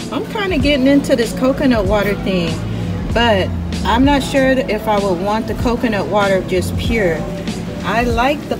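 Speech moves at a moderate pace over loud music in the background. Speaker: family vlogger. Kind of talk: casual vlog chat. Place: shop. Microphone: phone near.

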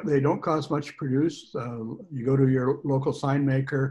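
A man's somewhat breathy, fairly high voice with a dark, mellow tone, fairly slow pace and quiet background. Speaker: marketing presenter, web services. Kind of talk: presentation. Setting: video call.

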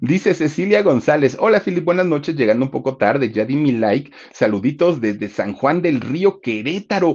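A man with a fairly high pitch and very wide pitch swings talks at a moderate pace. He uses hardly any pauses, against a quiet background. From Mexico. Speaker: YouTube storyteller host; livestream host. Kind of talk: storytelling live stream with chat readouts. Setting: live stream. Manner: conversational, repetitive. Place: home room. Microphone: headset.

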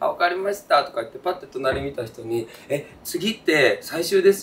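A man's voice with big swings in loudness and hardly any pauses, over light background noise. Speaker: host telling a dream. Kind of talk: casual storytelling chat. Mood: animated, amused. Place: bar.

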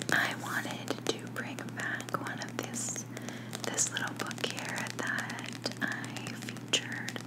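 Whispered words, very slowly paced, with noticeable noise in the background. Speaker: ASMR artist. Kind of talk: casual ASMR greeting to viewers.

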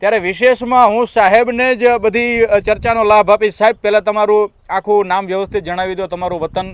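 A high-pitched man speaks in a dry, close sound with no echo. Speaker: YouTube vlogger. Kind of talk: casual video interview. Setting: outdoors. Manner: animated.

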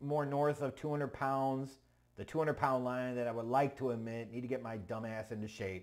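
The setting is quiet. In it, a man talks at a moderate speed. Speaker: wrestling commentary vlogger. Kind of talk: opinion commentary rant. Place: home room. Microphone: lapel.

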